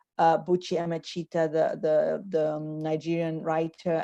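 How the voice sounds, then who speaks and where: A woman speaks at a moderate pace with a fairly low pitch and a dark, mellow tone. Her intonation is monotone and flat over a quiet background. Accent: Arabic. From Sudan. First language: Arabic. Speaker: novelist. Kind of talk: interview. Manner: halting, many repetitions.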